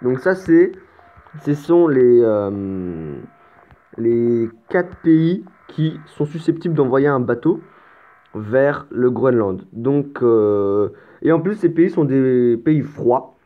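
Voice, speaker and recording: A man's voice: mid-range voice, lively intonation, slow. A man commenting on his strategy game as a let's play host, explaining casually with stammers and the odd curse. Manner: chatty and explanatory, with stammers and mild swearing. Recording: tinny, phone-like lo-fi sound.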